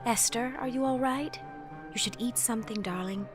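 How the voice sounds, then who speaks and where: An actress playing a genteel, anxious society hostess in an audio drama, gracious and theatrical in manner. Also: female voice, on the high side, moderate pace, soft background music, natural voice. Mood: soothing.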